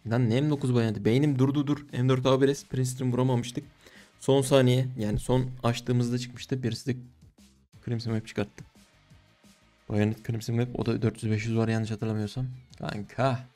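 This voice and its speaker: Young male case-opening streamer, warm tone, slangy and excitable, soft music behind. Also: medium pitch, moderate pace. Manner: slangy, excitable, pleading and groaning at results. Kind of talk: casual gaming commentary.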